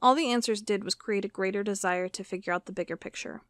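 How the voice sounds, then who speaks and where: An actress playing an uneasy, dogged FBI agent dictating case notes in an audio drama, halting and conversational. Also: female voice, mid-range voice, no echo, studio quality, close to an everyday voice. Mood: troubled, searching. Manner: halting, conversational, self-correcting. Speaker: FBI records agent character. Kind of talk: audio drama monologue, spoken like a recorded log.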